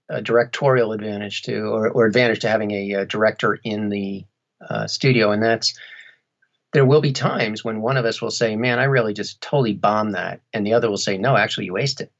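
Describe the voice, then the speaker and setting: A man's voice: fairly low pitch, fairly even intonation, normal speed, highs cut off. A man who narrates audiobooks, talking casually as a podcast guest. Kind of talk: casual conversation.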